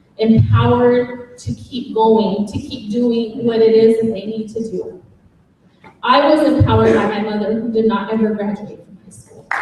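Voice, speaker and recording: A woman's fairly high voice at a moderate pace, with audible room echo and noticeable background noise. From US with Mexican father, partly raised abroad. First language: Spanish. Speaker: PTA parent leader. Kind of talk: panel testimony. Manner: halting.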